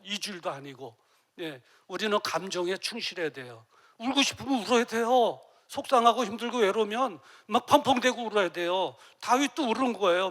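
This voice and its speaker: A middle-aged man preaching a sermon as pastor, emotional, dropping to near-whispers and rising to loud cries as he acts out tearful prayers. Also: high voice. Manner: emotional, swings from soft to loud.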